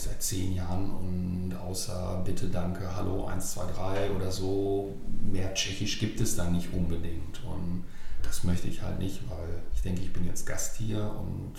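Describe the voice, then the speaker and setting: Deep-voiced man in an echoey room. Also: gravelly, darkish tone. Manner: thoughtful, hesitant, many fillers and restarts. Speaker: German speaker living abroad, learning Czech. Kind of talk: casual conversation. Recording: very echoey room with faint noise.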